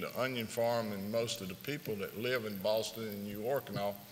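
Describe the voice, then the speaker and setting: Against noticeable background noise and audible room echo, a man with a Southern US accent speaks at a medium pitch with fairly even intonation. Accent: Southern US drawl. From South Georgia, US. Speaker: onion farm company president. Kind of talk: conference panel talk. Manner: folksy, casual.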